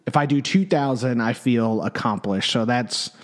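A man's voice: medium pitch, normal speed. A man co-hosting a podcast in a loose, chatty way, speaking into a microphone in an echoey office room. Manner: loose, chatty, self-correcting talk. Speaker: podcast co-host. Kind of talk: casual podcast chat. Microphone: desk microphone.

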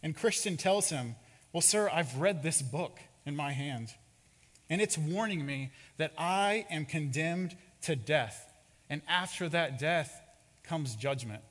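A man's voice: a little high, animated, takes it slowly, a bit bright. A man preaching a sermon as a pastor, telling a story and acting out its characters' lines. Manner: storytelling with acted-out quotes. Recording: long hall reverb.

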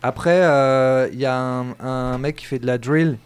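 A man's voice: mid-range voice, fairly even intonation, measured pace, noisy background. Chatty French radio host, man. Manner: chatty, hesitant with many fillers. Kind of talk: casual radio chat. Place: radio studio.

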